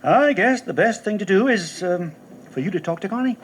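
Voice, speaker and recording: An actor playing a kindly male mentor who gives gentle advice in a husky voice. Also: high voice, lively intonation, moderate pace, a little hiss or hum. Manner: gentle, advising.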